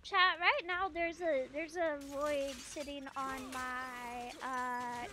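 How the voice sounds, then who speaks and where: A woman's voice: high voice, steady tone, slow, pushed and bright, a little hiss or hum. A woman streaming a game and chatting playfully with her viewers, joking around as she plays. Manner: playful, joking, talking to chat. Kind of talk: casual gaming stream chat. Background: faint background music.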